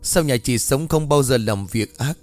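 A man's voice: mid-range voice, measured pace, faint music behind, natural voice. A man doing a reassuring village woman friend. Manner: reassuring, hesitant. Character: helpful village woman friend, hushed and calming.

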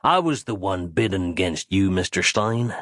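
A man voicing a menacing, folksy frontier sheriff who speaks in a slow, scornful drawl. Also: low-pitched, animated, fairly bright tone, no room sound, clean studio sound, voice pushed down. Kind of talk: audio drama character voice.

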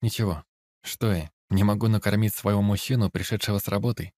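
Soft coaxing young woman, bit secretive, man reads her, quiet low voice. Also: steady tone, brisk, no echo, clean studio sound, lightly acted.

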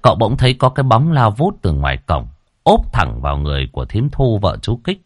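A man narrating a ghost story in a dramatic, expressive reading. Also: fairly low pitch, fairly quick, dry recording, soft background music.

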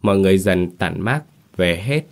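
A man's voice: sits low, animated, normal speed. A man narrating a ghost story in the first person, colloquial and wry.

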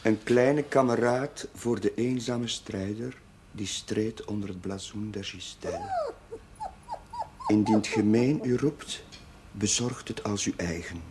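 An actor playing an eager, idealistic young Catholic chaplain in a naturalistic seventies television drama, speaking in an earnest, musing way. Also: male voice, fairly low pitch, measured pace, background noise, close to an everyday voice. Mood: reflective. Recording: 1970s television soundtrack with music.

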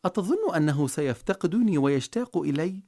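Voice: medium pitch, expressive, a little fast, warm tone, pitched above the performer's own voice. A storyteller doing Marjana, a timid little girl. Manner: anxious, pleading.

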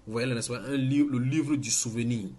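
A man, teaching in church with emphatic, halting delivery full of restarts. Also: medium pitch, steady tone, warm tone. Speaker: preacher.

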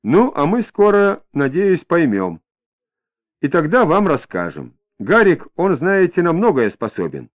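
A man reading an audiobook, voicing a calm, measured young investigator who asks polite, probing questions. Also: on the high side, phone-quality sound, voice pushed up.

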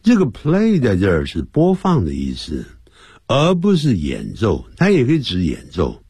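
A man with a deep, husky voice leads a radio English lesson. His pitch leaps up and drops low constantly as he explains in Chinese. He repeats the English phrases slowly and playfully. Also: wildly swooping pitch, a little mellow, dry recording, studio quality. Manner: playful, mimics sounds. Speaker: English teacher. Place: radio studio.

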